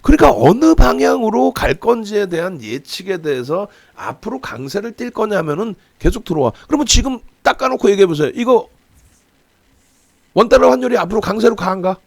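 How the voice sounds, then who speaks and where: A middle-aged man hosting a stock market channel, lecturing on currency and stocks with rhetorical questions and a scolding, lively manner. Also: high-pitched, fairly quick, creaky, no room sound.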